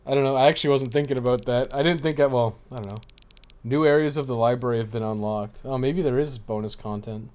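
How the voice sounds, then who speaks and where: A man's voice: mid-range voice, quick pace, a little hiss or hum. A man doing casual live game commentary as a streamer, chatting with viewers in an offhand, rambling way as he thinks aloud. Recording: loud guitar game music behind voice. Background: loud game music with plucked guitar.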